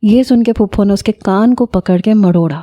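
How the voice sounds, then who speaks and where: Woman reading a love story aloud, calm, really mellow dark tone. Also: medium pitch. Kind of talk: first-person romance narration.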